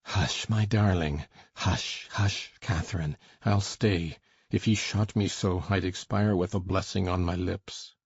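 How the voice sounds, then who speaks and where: A fierce, brooding man, voiced by an actor, speaks with low, urgent intensity. His voice sits very deep and husky. The recording is dull and lo-fi, with a dry, close sound. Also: flat delivery, measured pace, hardly any pauses, darkish tone, dry recording, heavily acted. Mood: tender. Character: brooding passionate man Heathcliff, fierce and desperate. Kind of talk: audiobook drama reading.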